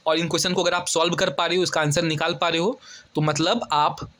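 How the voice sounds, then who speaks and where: A man's voice: a little high, fairly even intonation, pushed and bright. Chatty young male exam tutor. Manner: chatty, keeps checking students follow ("है ना", "ठीक है"); reads English exam sentences out slowly and deliberately. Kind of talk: casual Hindi exam-prep lesson.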